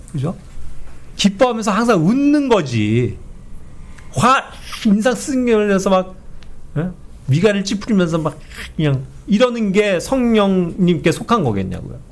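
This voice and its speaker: A man teaching a Bible study in an animated way, who keeps asking his listeners to agree and acts out quoted speech. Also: high-pitched. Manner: animated, often asks the group for agreement.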